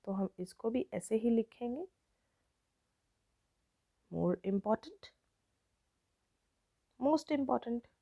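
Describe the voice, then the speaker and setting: A woman with an Indian accent teaching an online grammar lesson, explaining slowly word by word and switching between Hindi and English. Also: fairly high pitch, lively intonation, creaky, dark tone.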